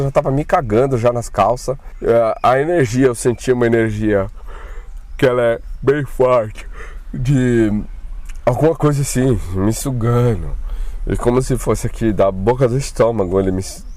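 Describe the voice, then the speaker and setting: A man casually recounting his own frightening experience, talking in a colloquial, animated way with slang and swearing. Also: medium pitch, moderate pace. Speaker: channel host telling his own spiritual experiences. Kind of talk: casual first-person storytelling.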